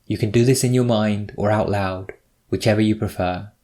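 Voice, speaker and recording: A man narrating a scripted guided meditation, giving measured, instructive prompts with pauses between them. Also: lowish voice, fairly even intonation, a little mellow.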